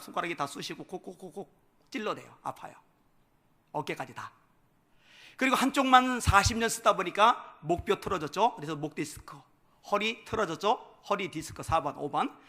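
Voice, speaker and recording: A male pastor delivers a revival sermon in a church sanctuary. His voice sits high and sounds bright and forceful. He shifts between soft, confiding storytelling and loud, rousing proclamation. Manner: builds from quiet storytelling to loud shouted preaching.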